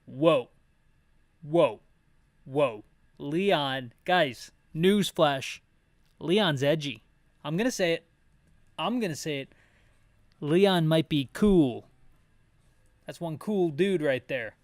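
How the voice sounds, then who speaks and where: Man, game playthrough host, very animated intonation, dry close sound, playful slang, rambling asides, casual. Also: fairly high pitch, takes it slowly, pauses often, no echo. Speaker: host of a video game playthrough with audio description. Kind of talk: casual joking commentary while reading game dialogue aloud.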